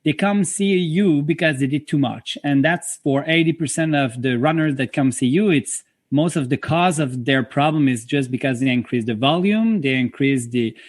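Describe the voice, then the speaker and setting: A man's voice: on the high side, moderate pace, hardly any pauses. A middle-aged man from Quebec with a French Canadian accent explains clinical practice as an interview guest in non-fluent English. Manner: non-fluent English with unusual word choices. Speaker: physiotherapist guest.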